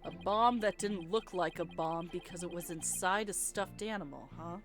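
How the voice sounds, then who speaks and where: A woman's voice: lowish voice, moderate pace. Woman reading game lines over music. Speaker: let's play host. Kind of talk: reading game dialogue aloud and casual chat. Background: video game music.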